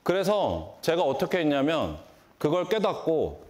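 A man giving a motivational lecture on stage, throwing rhetorical questions at the audience and answering them himself. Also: measured pace. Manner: lively, swooping delivery with sudden pitch jumps. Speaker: hairdressing instructor and brand owner. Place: large conference stage before an audience.

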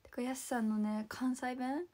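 A woman's voice: sits high, fairly even intonation, normal speed, dark tone. A young woman from Saitama chatting casually on a livestream, bubbly and chatty, thanking viewers by name and sometimes dropping into a whisper. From Saitama, Japan. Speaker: idol livestreaming and reading viewer comments.

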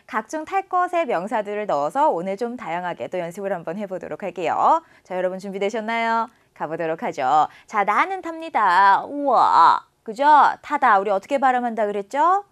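A woman teaching a beginner Chinese lesson, modelling words slowly and encouraging learners to repeat after her. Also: on the high side, fairly bright tone. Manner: encouraging, asks learners to follow along.

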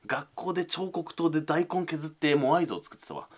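A man's voice: a little high, moderate pace. A young man, reading viewer comments aloud on a casual livestream and answering them with self-deprecating, mumbled asides.

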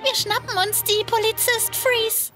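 A woman's voice: very high voice, little pitch movement, measured pace. A woman voicing a brave little girl hero in a German children's cartoon, speaking emphatically and simply over music. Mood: determined. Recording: music behind the voice.

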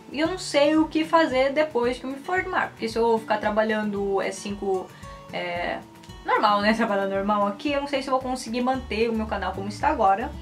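A woman, chatting casually and animatedly to the camera in a rambling way. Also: fairly high pitch. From Japan. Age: 20s. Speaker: YouTuber and Japanese teacher. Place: small indoor room. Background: background music.

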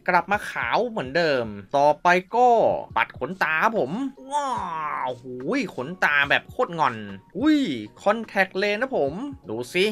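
A man's voice: high voice, sing-song, a little slow, hardly any pauses, a bit bright, soft background music. A man giving playful, exclamatory gameplay commentary as a video host, with frequent wows and vocal sound effects.

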